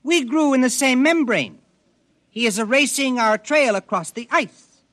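An actor playing a calm alien explorer who glows and eats rock, speaking formally and precisely without contractions, in a radio drama. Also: male voice, very high-pitched, measured pace, no echo, heavily acted. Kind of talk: 1950s radio drama acting.

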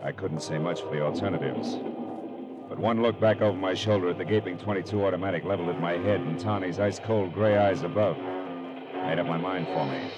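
An actor playing a wry, hard-boiled private detective, dry and clipped, in a 1940s radio style. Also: male voice, sits low, a little fast, over loud music, close to an everyday voice. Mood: grim, sardonic. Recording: faintly noisy vintage radio recording.

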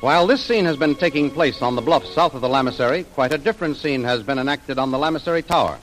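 A man's voice: medium pitch, quick pace, over music, poor audio. A man narrating scene changes dramatically in a 1930s radio serial.

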